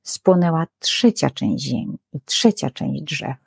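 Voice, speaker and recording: Lower-pitched woman explaining with animated energy. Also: measured pace, vocal fry, husky, dry recording, studio quality. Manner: animated, frequent fillers, acts out quoted voices. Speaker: biblical scholar guest. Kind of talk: explanatory conversational talk.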